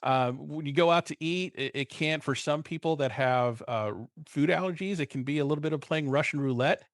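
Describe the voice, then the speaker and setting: A man hosting a food podcast, asking loose, halting questions with frequent restarts. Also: fairly high pitch, dry recording, clean studio sound. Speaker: podcast host.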